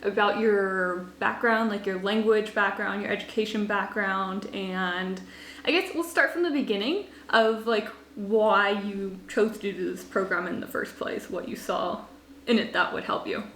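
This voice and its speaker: A woman's voice: mid-range voice, measured pace, a bit bright. A woman speaking as a host and language coach in a conversational interview, rambling and often saying "like". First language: English. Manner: rambling, frequent "like". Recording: echoey room, noticeable background noise.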